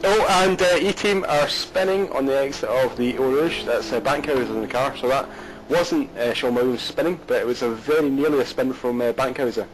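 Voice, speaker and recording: A man's voice: medium pitch, fairly quick, hardly any pauses, background noise. A Scottish man commentating an online race and chatting with a guest, rambling with fillers and restarts. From Scotland. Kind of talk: live race commentary and interview.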